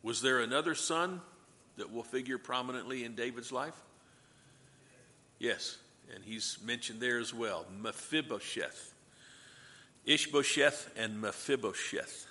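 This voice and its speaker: A man's voice: medium pitch, bright, forceful tone, big-room sound. A man teaching a Bible class review. He asks the class questions, answers them himself, and adds light joking asides.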